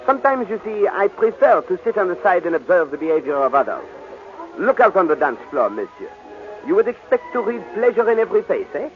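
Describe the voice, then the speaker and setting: An actor playing a courtly, observant detective in an old radio drama, with a French accent and a theatrical, musing way of talking. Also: male voice, high voice, sing-song, fairly quick, soft background music. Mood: courteous, musing. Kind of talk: 1940s American radio drama acting. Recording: tinny, narrow-band old radio recording.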